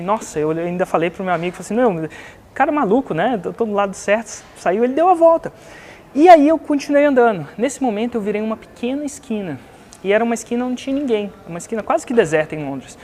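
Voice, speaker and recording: An online business coach from Brazil, with a Brazilian Portuguese accent, animatedly tells a story meant to teach a lesson, acting out the other people's lines. His voice sits high, and there's a little hiss or hum in the recording.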